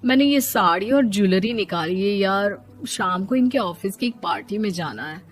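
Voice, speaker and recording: A woman voicing a cheerful, chatty young female friend in an animated story. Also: medium pitch, moderate pace, close to an everyday voice.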